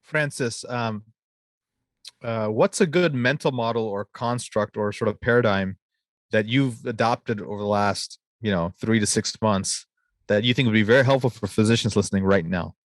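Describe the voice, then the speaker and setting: Recorded dry on a boom-arm mic in an office studio, this podcast interview features a young adult host who is also a physician. He talks at a moderate pace in a reflective manner, restating his guest's points and working quotes into his remarks.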